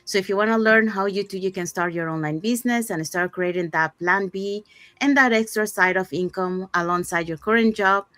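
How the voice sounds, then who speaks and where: A woman's voice: mid-range voice, fairly quick, a bit bright, dry recording. Woman host, dry close sound. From Panama. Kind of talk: scripted promotional talk.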